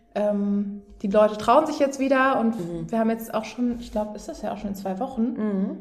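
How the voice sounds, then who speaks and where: Big swings in loudness mark a woman's speech, heard through noticeable background noise and audible room echo. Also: fairly high pitch for a woman, ordinary pitch variation, moderate pace. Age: 30s. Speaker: singer and vocal coach. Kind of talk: casual interview.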